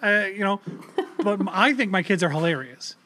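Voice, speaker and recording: A man's voice: sits high, animated, moderate pace, bright, forceful tone, a little hiss or hum. A man in his thirties co-hosting a parenting podcast in casual, rambling chat, with loose swearing and lots of fillers. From Canada. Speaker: podcast co-host.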